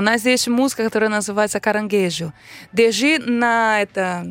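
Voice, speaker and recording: Recorded very cleanly against a silent background, a woman with a Brazilian accent speaks with big swings in loudness. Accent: Brazilian-accented Russian. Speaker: singer, Brazilian living in Russia. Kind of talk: casual interview. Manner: halting, grammatical errors.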